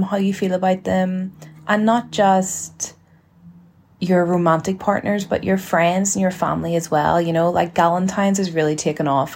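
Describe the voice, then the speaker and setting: A woman in her twenties hosting a casual solo podcast, chatty and rambling in an informal, relaxed way. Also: on the low side. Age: 20s. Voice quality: relaxed, slightly husky. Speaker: podcast host.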